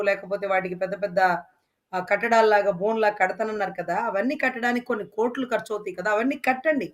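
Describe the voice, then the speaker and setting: Fast-talking impassioned interview guest. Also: mid-range voice, fairly bright tone. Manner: emphatic, rhetorical questions.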